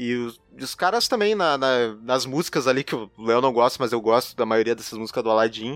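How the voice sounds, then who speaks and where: An ordinary speaking voice from a man, medium in pitch with ordinary pitch variation. He goes at a fairly quick pace with hardly any pauses. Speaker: film commentator guest. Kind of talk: casual chat.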